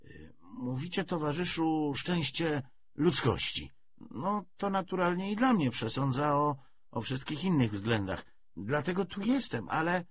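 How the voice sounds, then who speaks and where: A man's voice: on the high side, big pitch swings, measured pace, slightly rough, muffled recording, pitched above the performer's own voice, heavily acted. A man voicing a hesitant, deferential male newcomer with doubts, speaking tentatively in audiobook dialogue. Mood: hesitant, doubting.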